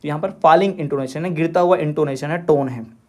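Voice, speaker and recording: A man teaching an exam-prep lesson from his coaching class, reading English questions slowly and then explaining each one and repeating the answers. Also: fairly high pitch.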